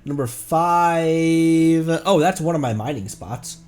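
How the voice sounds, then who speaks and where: A man's voice: on the high side, slow, a little mellow. A man doing casual, goofy livestream commentary while he plays a video game. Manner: playful, goofy, often parrots game characters. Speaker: streamer.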